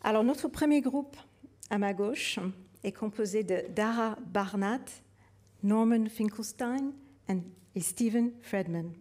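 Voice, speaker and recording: Mellow-voiced woman hosting an event. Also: medium pitch, unhurried. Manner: hesitant, self-correcting delivery. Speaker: event host introducing readers. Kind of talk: live event announcement. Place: live literary event before an audience. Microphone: event microphone.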